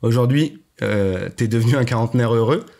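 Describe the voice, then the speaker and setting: A man's voice: medium pitch, brisk, gravelly, a little mellow. A man hosting a podcast, asking questions in a friendly, informal way with many fillers. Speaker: podcast host. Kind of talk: casual interview.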